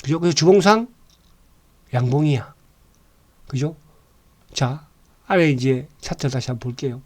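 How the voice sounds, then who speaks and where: A man's voice: medium pitch, lively intonation, a little slow, a little mellow. A man giving casual stock market commentary, bluntly, throwing rhetorical questions at his viewers and asking them to agree.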